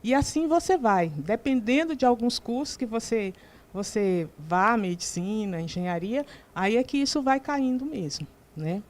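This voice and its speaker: A Brazilian woman speaking as a guest on a TV panel, measured and thoughtful. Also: on the high side, animated. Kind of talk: TV panel debate.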